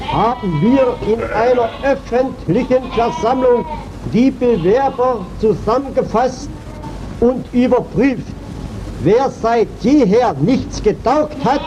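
A man giving a stiff prepared statement as village mayor on a muffled 1940s recording with sheep behind. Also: very high-pitched. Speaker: village mayor being interviewed. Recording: muffled, noisy 1940s archive field recording. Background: bleating sheep.

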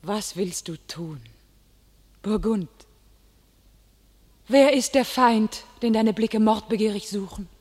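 A fervent young warrior maiden, declaiming. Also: female voice, mid-range voice, takes it slowly, long pauses, darkish tone. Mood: solemn, pleading. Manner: solemn, declamatory, impassioned. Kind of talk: classic German radio play, declaimed stage verse.

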